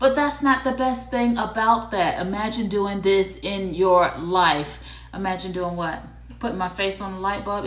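Delivered at a moderate pace, the speech has an animated tone and ordinary pitch variation, and audible room echo can be heard. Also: woman. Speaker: online shopping livestream host. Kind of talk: live product sales stream. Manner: chatty, animated. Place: home room. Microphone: phone near.

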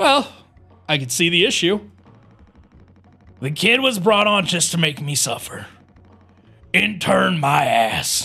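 Over music in the background, a put-on character voice at a middle pitch speaks with long, frequent pauses. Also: fairly slow pace. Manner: irritated, scolding.

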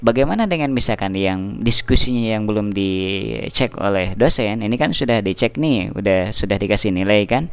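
A man speaks at a moderate pace and a fairly low pitch, with ordinary pitch variation. He hardly pauses, and background noise is noticeable. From Indonesia, West Java (Tasikmalaya). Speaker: vlogger and university student. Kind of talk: screen-recording tutorial. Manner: casual, hesitant with many fillers.

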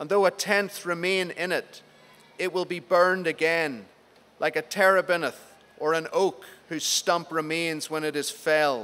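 In a bright, sharp tone, a man speaks at a fairly slow pace with fairly even intonation. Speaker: preacher. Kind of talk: sermon scripture reading and prayer. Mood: solemn, reverent. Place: church. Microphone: podium.

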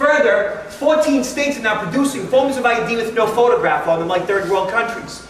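Over light background noise and audible room echo, a man with an extremely high pitch talks at a fairly quick pace in an American accent. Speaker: keynote speaker on identity theft and personal security. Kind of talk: keynote talk about security. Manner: direct, to-the-point, straight-talking. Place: hall.

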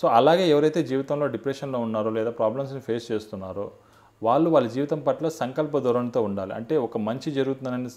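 A man talks in a normal speaking voice, medium in pitch with ordinary pitch variation. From Anantapur, Andhra Pradesh, India. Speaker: meditation practitioner and IT analyst. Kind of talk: interview.

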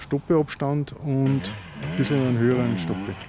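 A man talks at a moderate pace, the sound dry with no echo and noticeable background noise behind him. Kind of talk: interview answer. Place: open country. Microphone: handheld.

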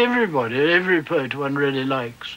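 A man's voice swings very widely in pitch over light background noise. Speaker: interviewee. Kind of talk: interview answer. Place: home room.

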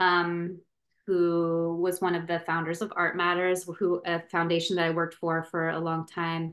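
A woman speaks at a moderate pace in a fairly low, flat monotone, with a quiet background. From US Northeast. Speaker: performance artist. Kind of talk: interview. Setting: video call. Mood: warm, reflective. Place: home room. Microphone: video call.

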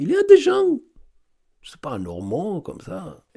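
A man at a very slow pace, dark, mellow tone, quiet background. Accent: Hebrew. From Israel. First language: Hebrew (speaking French). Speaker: anti-Zionist activist; interviewee. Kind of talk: interview; interview answer. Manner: halting, searching for words. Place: home room.

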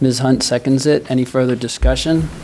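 A man's normal speaking voice at a medium pitch, with ordinary pitch variation and light background noise. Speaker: school committee chair. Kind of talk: chairing a public meeting. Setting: school committee meeting room. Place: meeting room. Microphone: podium.

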